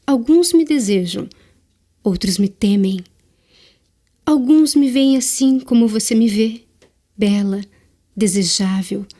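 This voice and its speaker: A woman with a Brazilian accent playing Death as a mysterious, seductive figure in an audio drama, solemn, measured and knowing. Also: medium pitch, mellow, close to an everyday voice.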